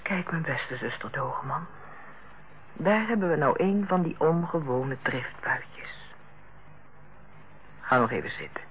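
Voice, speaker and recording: An actress in a Dutch radio play as a female hospital director, authoritative yet kindly, speaking in a measured, formal and persuasive way. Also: low-pitched, animated, a little hiss or hum. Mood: coaxing, firm. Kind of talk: Dutch radio drama acting. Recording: muffled, band-limited old radio recording.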